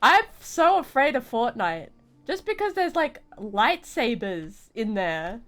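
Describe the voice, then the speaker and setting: A woman's voice: fairly high pitch, sing-song, slow pace, fairly bright tone, soft background music. A woman chatting casually on a gaming livestream, playful and often repeating her phrases. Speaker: game streamer.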